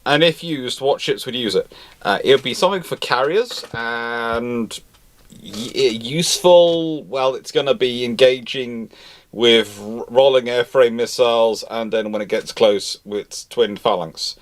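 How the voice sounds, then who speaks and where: Halting, argumentative man debating history. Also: mid-range voice. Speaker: live-stream host answering viewer questions. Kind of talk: off-the-cuff naval history discussion.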